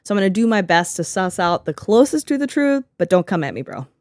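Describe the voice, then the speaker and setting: A woman hosting a casual podcast chat, sarcastic and quick to laugh, swearing freely as she tells the story. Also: mid-range voice, big pitch swings, dry recording, clean studio sound. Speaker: podcast host.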